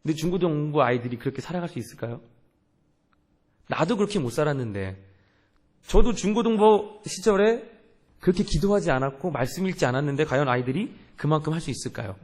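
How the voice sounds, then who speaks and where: A man's voice: a little high, animated, a little fast, darkish tone. A young man, a youth pastor, preaching a sermon in an earnest way and asking the congregation questions.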